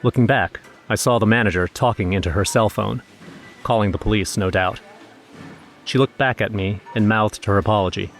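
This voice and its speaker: A man's voice: lowish voice, normal speed, slight background noise, lightly acted. An actor playing an anxious young man who narrates his own horror story in a scripted audio drama. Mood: uneasy, tense. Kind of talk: first-person scripted horror narration with acted dialogue.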